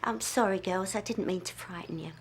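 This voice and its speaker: A woman's voice: medium pitch, a little fast, slight background noise, natural voice. An actress in a TV drama playing a chatty, frank woman visitor, friendly and blunt. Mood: candid. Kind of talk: TV drama acting.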